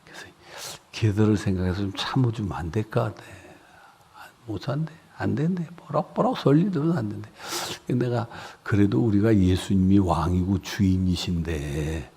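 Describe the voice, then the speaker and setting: A man's voice: sits low, moderate pace, breathy edge. A man preaching at a revival meeting in a church, telling stories animatedly and putting on the voices of the people in them. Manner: animated storytelling with acted voices. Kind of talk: revival sermon. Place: church sanctuary.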